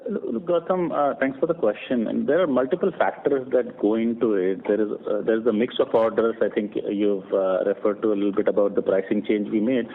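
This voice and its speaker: A male company executive answering questions on an earnings call, speaking off the cuff and rephrasing haltingly as he explains. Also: lowish voice. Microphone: conference phone call. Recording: narrow phone line with clear noise.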